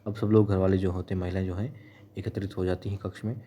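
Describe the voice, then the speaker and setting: A man's voice: low-pitched, little pitch movement, fast, dark tone, slight background noise. A man narrating a recap of a TV serial episode in a chatty storytelling way. He talks straight to viewers as friends. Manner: chatty, addresses viewers as friends, repeats "yes indeed".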